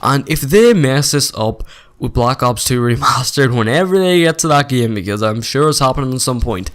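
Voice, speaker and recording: A man's voice: mid-range voice, lively intonation, moderate pace. A man with a sore throat from an infection, giving his rambling, opinionated take in a casual gaming vlog. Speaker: gaming YouTuber.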